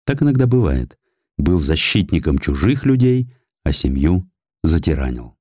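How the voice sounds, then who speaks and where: A man reading literary historical prose as an expressive audiobook narrator, in a measured storytelling way. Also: low-pitched, dry recording, clean studio sound. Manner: measured, storytelling delivery, acts out quoted dialogue.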